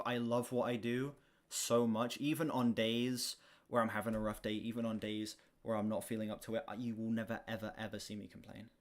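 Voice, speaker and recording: A young man livestreaming, chatting casually and candidly to his audience in a projected but monotone voice, swearing now and then. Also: mid-range voice. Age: young adult. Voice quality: self-described monotone, projected streaming voice. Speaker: gaming livestreamer. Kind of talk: casual chat to a stream audience. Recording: clear background noise, keyboard clicks. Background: keyboard typing and clicks.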